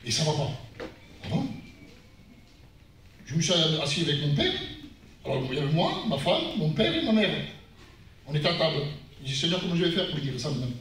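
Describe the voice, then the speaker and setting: A man with a high, bright voice preaches a sermon, sharing a family testimony and swinging from quiet asides to loud, lively outbursts. He sounds distant from the mic, and his voice rings through a very echoey church hall. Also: a little fast, long pauses, slight background noise. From France. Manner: animated, rises loud and high when retelling events. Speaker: guest pastor.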